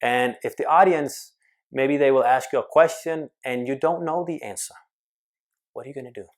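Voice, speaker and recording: In this advice talk to camera, a man with a mid-range voice coaches on public speaking. His emphatic, energetic style mixes fast bursts with sudden slowing.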